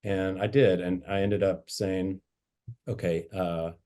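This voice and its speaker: A man's voice: sits low, little pitch movement, slow, dark tone. A man, a bishop, reflectively telling anecdotes from his life in a conversational interview. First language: English. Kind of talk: interview storytelling.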